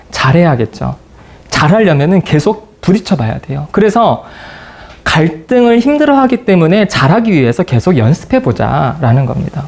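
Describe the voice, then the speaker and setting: A man giving a lively lecture on group counseling, asking the audience questions and acting out quoted dialogue. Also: on the high side, creaky. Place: lecture room.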